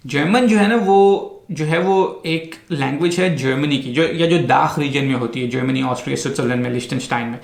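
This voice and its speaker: A man's voice: fairly high pitch, moderate pace, vocal fry, few pauses, echoey room. A man hosting a casual explainer vlog. He talks patiently, spells words out letter by letter and mixes English words into his sentences. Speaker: vlog host.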